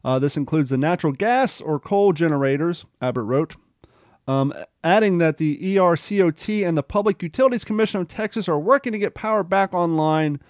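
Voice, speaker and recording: A man's voice: a little high, animated, brisk, a little mellow, no room sound, clean studio sound. A man hosting a casual talk show, reading news aloud in an easygoing way with fillers like "um" and "uh". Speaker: host.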